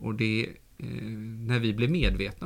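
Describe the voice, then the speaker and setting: A man speaks with vocal fry. His pitch sits in the medium range. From western Sweden, Gothenburg area. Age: 40s. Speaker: pastor. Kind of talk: podcast interview. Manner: halting.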